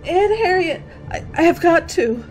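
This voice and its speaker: A young woman playing a frightened, pleading college girl in a suspense radio play, with halting, repetitive delivery. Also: extremely high pitch, expressive, darkish tone, soft background music, low-quality recording. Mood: panicked. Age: young adult. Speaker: radio drama actor.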